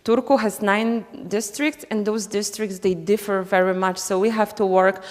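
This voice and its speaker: A woman's voice: mid-range voice, steady tone, normal speed. A woman from Poland, giving a conference talk with many ums and restarts. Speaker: conference speaker. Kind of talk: conference presentation. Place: conference hall. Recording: reverberant conference hall.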